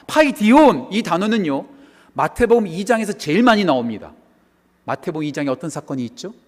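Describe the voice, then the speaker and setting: A male pastor preaching a sermon live in church, swinging between loud emphatic lines and hushed ones. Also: sits high. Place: church sanctuary. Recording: long reverb of a large hall.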